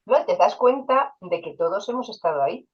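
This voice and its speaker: A woman hypnotherapist with an expressive, mid-range voice and a breathy edge speaks at normal speed as an interview guest. Her personal stories come out casually, with quoted dialogue and fillers, in dull audio.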